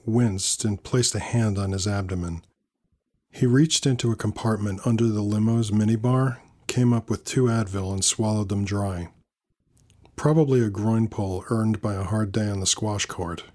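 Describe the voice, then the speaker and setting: A man narrating a scripted first-person story in a measured, dry, wry manner. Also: on the low side, a little mellow.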